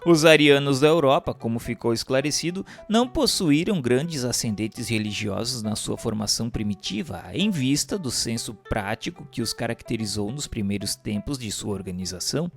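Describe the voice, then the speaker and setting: Brazilian guy reading solemn spiritual narration, formal and declamatory, mid pitch voice, bit of music behind. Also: gravelly.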